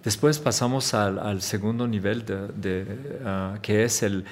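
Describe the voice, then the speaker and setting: Guest, American man, low voice, slow, halting Spanish with English slipping in. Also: slight background noise. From Chicago, USA. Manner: hesitant Spanish full of fillers, switches to English words. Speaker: watch company founder, guest. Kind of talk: interview answers.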